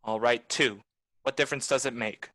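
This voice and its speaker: A man's voice: mid-range voice, steady tone, moderate pace, bright, forceful tone, dry recording, lightly acted. A man playing a cool, shrewd private detective in a film noir radio play, with a clipped, tough delivery. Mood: cool, insistent. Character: hard-boiled male private detective, cool, shrewd, commanding.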